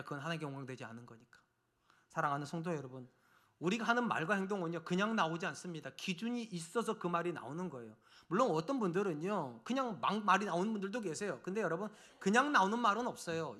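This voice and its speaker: A middle-aged pastor preaching from the pulpit, his voice pitched high and sharp. He swings from pressing, raised appeals down to quiet, low asides aimed straight at the pews. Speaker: senior pastor. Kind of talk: sermon. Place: church sanctuary.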